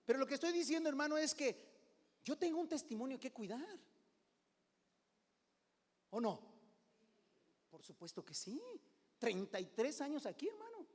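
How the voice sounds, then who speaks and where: A middle-aged man preaching as a pastor, conversational, often calling "hermano", swinging between loud and hushed. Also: very high-pitched, sing-song, moderate pace, long pauses. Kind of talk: sermon. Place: church sanctuary. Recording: long hall reverb.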